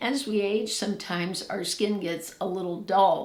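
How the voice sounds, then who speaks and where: With audible room echo, a woman talks at a fairly slow pace using ordinary pitch variation. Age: 50s. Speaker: beauty content creator. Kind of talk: makeup tutorial. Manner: warm, conversational.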